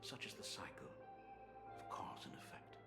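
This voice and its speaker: An actor plays a solemn, tender middle-aged father in a video game, an artist and academy dean. His gravelly, breathy voice is measured and softly spoken, close to an everyday voice. The dramatic performance is slightly reverberant, with background music underneath.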